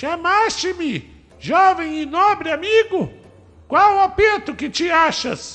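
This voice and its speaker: Over music in the background, a put-on character voice at an extremely high pitch moves at a fairly slow pace. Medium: read story. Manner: friendly, teasing.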